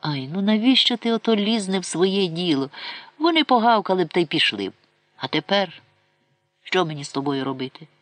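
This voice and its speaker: A man's voice: high-pitched, expressive, a little fast, fairly bright tone, no room sound, pitched above the performer's own voice. A man voicing a kind young village girl who fusses over a sick boy tenderly. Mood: fretting.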